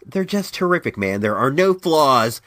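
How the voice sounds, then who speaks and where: A man's voice: mid-range voice, moderate pace, no room sound, studio quality. A man hosting his own podcast in casual rambling chat, his voice stuffed up from allergies. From Northern California. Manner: rambling, lots of restarts, animated ups and downs. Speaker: podcast host.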